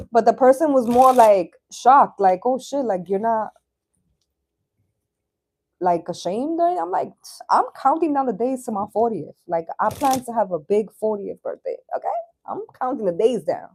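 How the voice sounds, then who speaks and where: A woman's voice: a little high, animated, moderate pace, darkish tone, breathy edge. A woman in her thirties talking as a tarot reader on a livestream, in a chatty, slangy, casual way that takes in some swearing. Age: 30s. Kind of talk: casual live chat and tarot reading.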